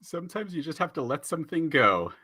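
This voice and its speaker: Bright-voiced man moderating, halting delivery. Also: fairly high pitch, big pitch swings, husky. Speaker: panel moderator. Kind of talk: unscripted moderating. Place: remote online panel call.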